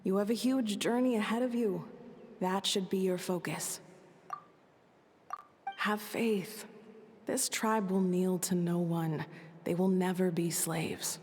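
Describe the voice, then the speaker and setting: A woman playing a wise, tender and resolute tribal leader in a video game, gentle and reflective yet firm. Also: fairly low pitch, takes it slowly, long pauses, slight background noise. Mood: resolute, reassuring. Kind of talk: dramatic video game acting. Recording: long hall-like reverb.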